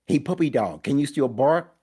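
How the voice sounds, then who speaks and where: A man's voice: mid-range voice, expressive, normal speed, mellow, husky. A man voicing an easygoing old donkey with a laid-back, slangy manner. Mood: friendly.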